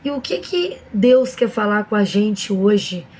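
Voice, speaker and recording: A hoarse woman hosting a casual devotional talk, addressing viewers directly with frequent fillers and reading Bible verses slowly and deliberately. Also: medium pitch, a little mellow. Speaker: online devotional host.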